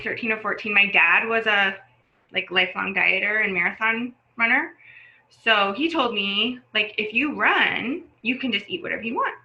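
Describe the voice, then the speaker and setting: A woman's voice: mid-range voice, sharp tone, dull audio. A woman in her forties talking as a podcast guest, chatty and rambling, with lots of fillers and restarts. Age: 40s. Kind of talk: casual conversation.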